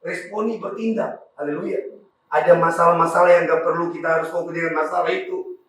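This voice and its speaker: A man from Maluku with a raspy voice, preaching fervently to a congregation. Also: a little high, steady tone, a little fast, a bit bright, slight background noise. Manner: fervent preaching with frequent congregation address and hallelujahs. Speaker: pastor. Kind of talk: sermon. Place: church hall. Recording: echoey church hall from far off.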